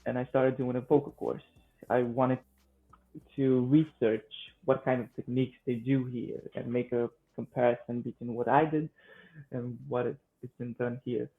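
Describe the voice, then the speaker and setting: A man in his twenties from Romania with a Romanian accent, answering interview questions conversationally in a halting way, often repeating words. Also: mid-range voice, little pitch movement, creaky. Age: 20s. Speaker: guest, vocal coach and singer-songwriter. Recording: thin phone-like line.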